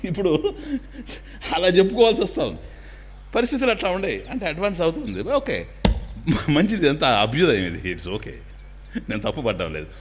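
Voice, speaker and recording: A man, a swami, giving a spiritual discourse in an animated storytelling manner, now and then dropping in English phrases. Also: on the high side, brisk, pauses often, breathy edge. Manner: animated, acts out anecdotes, drops English phrases.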